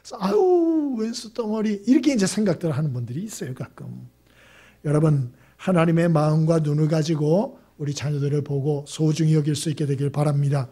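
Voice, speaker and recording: Male pastor, middle-aged, Sunday sermon, church sanctuary. High, dark, mellow voice. Storyteller who acts out the lines of the people in his stories. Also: fairly quick, husky. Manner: storytelling, acting out quoted family dialogue; asks the congregation rhetorical questions.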